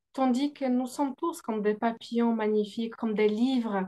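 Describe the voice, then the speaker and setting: A woman with a non-native accent speaks at a fairly high pitch and with fairly even intonation. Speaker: entrepreneur and trainer. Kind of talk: interview. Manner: hesitant.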